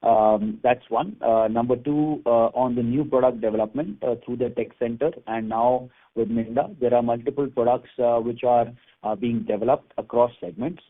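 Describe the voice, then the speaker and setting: A man with an Indian accent answering as a company executive on an earnings call, in halting, measured business talk. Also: medium pitch. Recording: phone-like conference call line.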